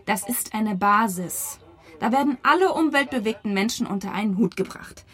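An actress playing an idealistic young student and camp leader in a German audio drama, earnest and conciliatory. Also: female voice, mid-range voice, expressive, moderate pace, fairly bright tone, lightly acted. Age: young adult.

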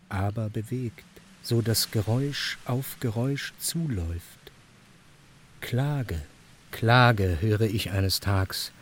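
An actor playing a grave prosecuting narrator in a literary radio play, reciting deliberately and declaiming. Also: male voice, lowish voice. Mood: grave, subdued.

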